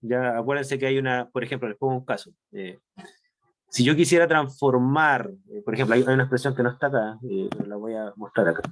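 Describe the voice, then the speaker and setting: A man teaching a university chemistry class. He speaks at an ordinary pitch, explaining each point patiently, slowing down to stress what matters and tagging his sentences with quick checks that his students are following. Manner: explanatory, checks understanding with frequent tag questions. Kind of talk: online class lecture.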